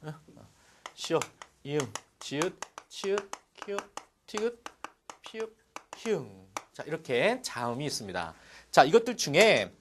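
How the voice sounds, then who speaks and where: This is a classroom Korean lesson led by a middle-aged man whose voice is on the high side. He explains step by step with lively energy, peppering his talk with "자" and rhetorical checks to his students, over slight background noise.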